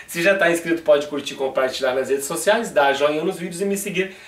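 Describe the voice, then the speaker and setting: A man's voice: on the high side, fairly quick, echoey room, far from the mic. A Brazilian Portuguese-speaking man teaching a video grammar lesson, explaining rules step by step in a chatty way and often checking in with his students.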